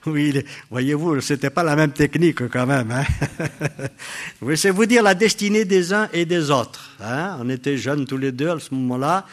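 An older man preaching a sermon, addressing the congregation with rhetorical questions, swinging between loud exclamations and quiet asides. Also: on the high side, moderate pace.

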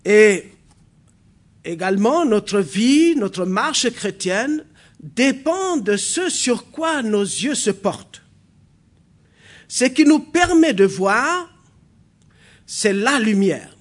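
High-voiced preacher guy from new caledonia, slow and halting, lots of fillers then gets emphatic. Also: big pitch swings. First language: a New Caledonian language. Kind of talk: sermon. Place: church hall.

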